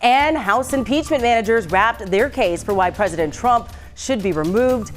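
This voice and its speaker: A woman's voice: a little high, expressive, normal speed, faint music behind. A woman with an American accent reading scripted morning news as a television anchor in a studio.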